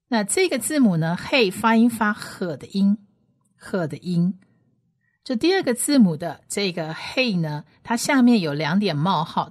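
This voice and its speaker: A woman leads a radio Bible lesson, walking through Hebrew letters one by one. She talks patiently and says each sound again and again, slowly, so listeners can follow along. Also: mid-range voice.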